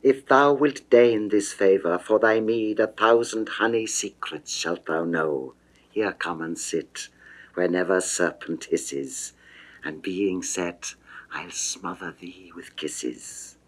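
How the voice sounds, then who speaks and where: A male reader plays an amorous goddess in a seductive, coaxing mood. The delivery is theatrical and ornate, very slow, in a deep register, as in a vintage sixties recording of dramatic verse. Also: low-quality recording. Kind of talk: 1960s dramatic verse reading.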